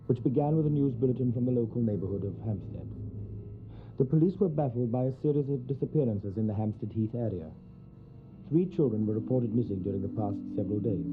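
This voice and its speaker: A man playing a sober solicitor who narrates a gothic horror tale in a measured, formal manner. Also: mid-range voice, lightly acted. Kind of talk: scripted narration in radio drama. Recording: tinny narrow band, music behind. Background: music.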